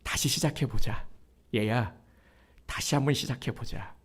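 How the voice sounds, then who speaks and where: A man's voice: mid-range voice, unhurried, husky. A man giving voice to a tender, pleading fatherly God. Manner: soft, coaxing and gently urging.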